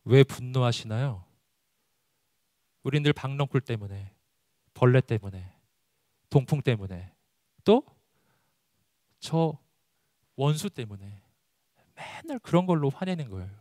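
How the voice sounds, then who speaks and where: A man's voice: expressive, measured pace, pauses often, mellow, no room sound, studio quality. A middle-aged man preaching a sermon to a young adult congregation, emphatic and full of rhetorical questions, sometimes acting out quoted prayers. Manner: acts out quoted prayers in a high voice. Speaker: pastor. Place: church hall.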